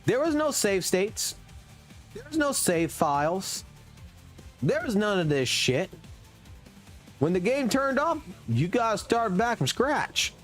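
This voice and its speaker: A man's voice: sits high, very animated, slow, pauses often. Thirty-something guy ranting on stream, cussing a lot, voice jumping all over the place, bit of music in the back. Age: 30s. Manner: profane, ranting, emphatic. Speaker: livestreamer. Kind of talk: casual gaming stream rant.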